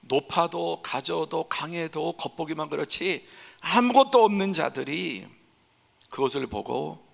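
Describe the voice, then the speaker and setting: Male pastor, gravelly tone, preaching with emphatic build-ups, long church-hall reverb. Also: a little high, lively intonation, a little slow. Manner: emphatic, building to forceful peaks; acts out scenes in a hushed voice. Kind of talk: Sunday sermon. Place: church sanctuary.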